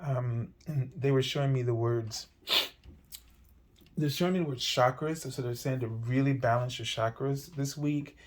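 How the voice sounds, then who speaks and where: A man with a medium-pitched voice leads a weekly tarot reading. He talks gently and circles around his points, often pausing on fillers and starting over. His voice carries a slight hoarseness. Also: steady tone. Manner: meandering, gentle, many fillers and restarts. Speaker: tarot reader.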